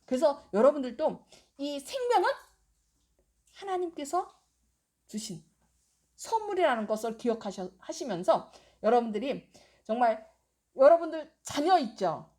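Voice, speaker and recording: A woman's voice: high voice, big pitch swings, a little slow, pauses often, dark tone. A woman pastor preaching a sermon, telling a story expressively and quizzing the congregation with questions.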